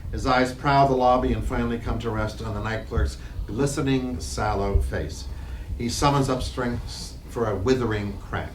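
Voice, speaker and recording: A man's voice: medium pitch, steady tone, normal speed. A man reading out stage directions as scripted narration in a live dramatic reading. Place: library reading room, live reading. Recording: distant, echoey, noisy room.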